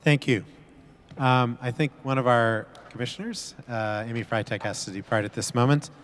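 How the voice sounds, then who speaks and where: Man, meeting chair, brisk and procedural, mid pitch, reverberant hall. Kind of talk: running a public meeting.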